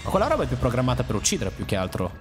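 A young man talks through a game as a let's play host, cursing and mocking the enemies on screen. His voice swings widely in pitch, jumping to high yelps when something surprises him. Game music plays clearly underneath. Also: racing. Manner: excitable, swears and mocks enemies, jumps to high yelps. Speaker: gaming YouTuber.

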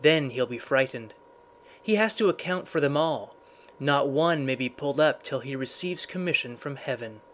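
A man voicing a knowing old white-haired woman in a storybook tale, measured and instructive as she bargains. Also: medium pitch, expressive, a bit bright, natural voice. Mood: instructing.

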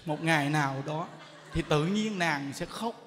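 Unhurried and on the high side in pitch, this monk delivers a funny dharma talk, playing out small scenes as he narrates. He acts out quarrels with animation and laughs often, while the hall adds long reverb and faint noise.

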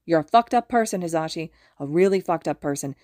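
A woman voicing a furious, foul-mouthed woman in an audiobook story, snapping forcefully and emphatically. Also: low voice, animated, normal speed, no echo, studio quality. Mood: furious, pleading.

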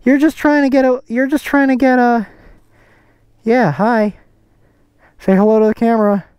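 A motovlogger chatting casually while riding, with a relaxed, rambling way of talking full of fillers, recorded outdoors on a helmet microphone. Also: mid-range voice, moderate pace, clean tone, no room sound, clean studio sound. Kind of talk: casual riding vlog chat. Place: outdoors, riding a motorcycle on a road. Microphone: helmet-mounted microphone. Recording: road and engine noise behind.

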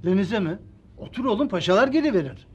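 An actor playing an irritable middle-aged father who owns a holiday home and scolds loudly in a sitcom. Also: high voice, lively intonation, quick pace, breathy edge, muffled recording. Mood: grumbling. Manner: scolding, grumbling. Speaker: annoyed estate resident. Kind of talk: sitcom acting.

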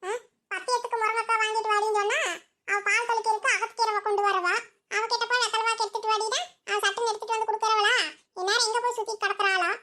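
A woman's voice: very high-pitched, steady tone, quick pace, sharp tone. A woman voicing a nosy, scolding old village mother-in-law in a cartoon comedy, grumbling and bossy in Kongu Tamil.

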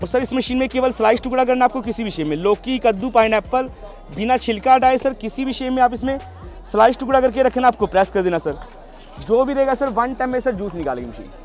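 A man selling juicers at an outdoor fair stall, rattling off a pushy sales pitch and calling the listener sir again and again. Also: animated, fast talker, a little mellow, soft background music. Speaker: street seller at a fair.

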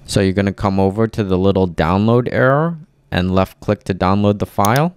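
A man narrating a step-by-step software tutorial as presenter, instructing clearly and methodically into a close mic. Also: lowish voice, fairly quick, slight background noise.

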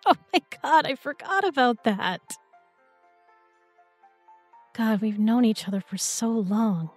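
A woman's voice: fairly high pitch, animated, unhurried, no room sound, faint music behind. A young woman playing an affectionate, teasing new girlfriend in an intimate roleplay audio, with a playful, tender, coaxing manner. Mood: amused, touched.

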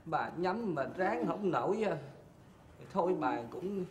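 A penny-pinching old husband in a stage comedy sketch, with a high, lively voice that swoops around. He drawls slowly, grumbling about the cost of everything. The sound is roomy, with faint noise behind. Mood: teasing. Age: older.

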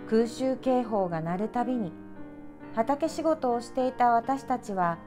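A middle-aged woman presenter speaking to children in clear, polite, measured announcer diction, as in a picture-book read-aloud. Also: on the high side, expressive, over music. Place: small indoor room with sofa.

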